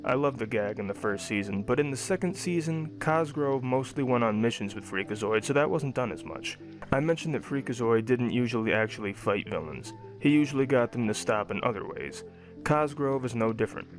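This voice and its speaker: A man's voice: mid-range voice, expressive, a little fast, soft background music. A young adult man narrating a scripted cartoon review.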